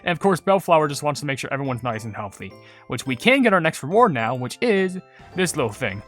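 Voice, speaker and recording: A video creator with a mid-pitched voice hosting casual gaming commentary, rambling and often correcting themselves mid-sentence. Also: sing-song, fast talker, a bit bright. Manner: rambling, filler-heavy, trailing off and correcting self. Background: music.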